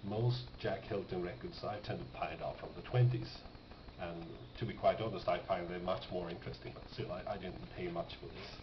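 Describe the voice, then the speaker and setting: A man presents his record finds with casual, off-the-cuff commentary, musing aloud and often second-guessing himself. His voice is deep, fairly even in intonation and fairly quick. The recording sounds dull, lo-fi, noisy and roomy.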